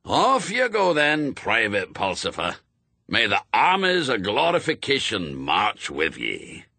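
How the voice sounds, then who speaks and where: A man voicing an old, zealous male witchfinder sergeant who barks orders in a gruff, pompous way. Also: lowish voice, wildly swooping pitch, takes it slowly, bright, forceful tone, dry recording, full character voice. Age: older.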